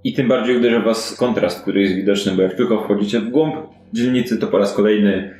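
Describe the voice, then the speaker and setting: Low-voiced man narrating as game master. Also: steady tone, brisk, a little mellow, slight background noise. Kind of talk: improvised narration of fantasy tabletop game. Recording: roomy, background music. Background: music.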